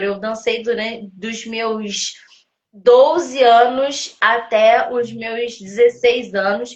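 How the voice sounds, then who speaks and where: A woman with a fairly high voice talks very slowly, her pitch moving in an ordinary way. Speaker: radio host. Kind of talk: interview. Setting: live video stream.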